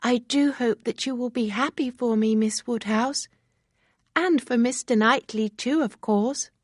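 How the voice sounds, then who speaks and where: A woman reading a story aloud, voicing an eager, excitable young woman who speaks in breathless, bright exclamations. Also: a little high, unhurried, no echo, studio quality, pitched above the performer's own voice. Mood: cheerful.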